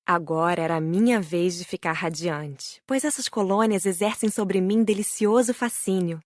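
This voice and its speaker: A woman with a Brazilian Portuguese accent reading a spiritual book aloud as a first-person narrator, gentle and admiring. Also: on the low side, moderate pace, no echo, studio quality. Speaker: audiobook narrator.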